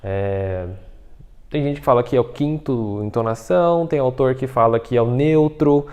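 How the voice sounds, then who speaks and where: A man's voice: medium pitch, moderate pace, a little mellow, smooth. A man, patiently explaining pronunciation in a casual video lesson, checking in with "tá?" and "né?" as he goes. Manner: explains patiently, many fillers like "tá?" and "né?". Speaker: Mandarin teacher.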